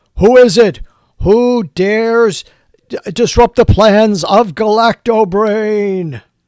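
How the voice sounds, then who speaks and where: A man uses a loud, put-on character voice pitched high for a man. He speaks at a very slow pace with fairly even intonation. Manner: menacing, imperious.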